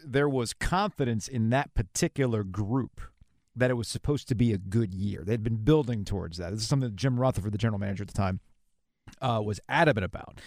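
A man with a mid-range voice hosts a sports podcast in a dry, close recording. He talks conversationally, like a fan swapping stories, with casual slang and animated asides. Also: mid-range voice, no echo.

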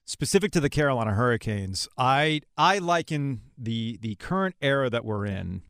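A man's voice: medium pitch, animated, normal speed, a bit bright, clean tone, no room sound, clean studio sound. A man in his forties hosting a podcast, telling stories and putting questions to his guest conversationally. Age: 40s. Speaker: podcast host. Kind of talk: conversational interview, storytelling.

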